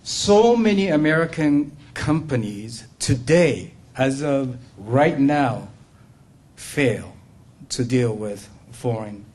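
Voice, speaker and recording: A man's voice: mid-range voice, expressive, slow, darkish tone. An older man from Japan with a Japanese accent, giving an earnest business talk as a guest speaker at a luncheon and checking in with the room. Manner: earnest, laughs often, asks "okay?" and "right?".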